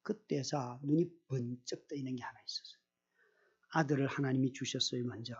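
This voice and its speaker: A middle-aged male pastor preaching a sermon with personal testimony, telling it in an animated way, acting out his own prayers and putting questions to the congregation. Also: mid-range voice, fairly quick, breathy edge. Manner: animated storyteller, acts out quoted prayers, asks the congregation questions. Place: church service. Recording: dull lo-fi recording.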